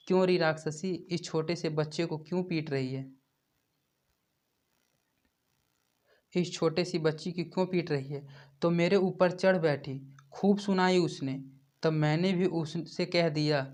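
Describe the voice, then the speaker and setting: A man reading aloud the lines of an old woman who sells yogurt and grieves over her son, in his own even voice. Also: fairly high pitch, lightly acted. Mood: aggrieved. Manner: reads her words aloud in an even, unhurried teacher's voice.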